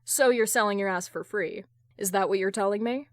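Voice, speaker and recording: A woman performs a cutting businesswoman in an audio drama. She is blunt, sarcastic and judgmental, delivering her digs deadpan at a medium female pitch in a dry recording. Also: brisk, no room sound, lightly acted. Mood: exasperated, stern. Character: sharp, judgmental businesswoman, scathing exasperated ex.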